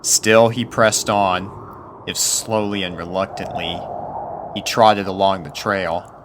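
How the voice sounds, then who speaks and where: A man's voice: low-pitched, steady tone, takes it slowly, background noise. A man reading a spooky story aloud as a scripted narrator.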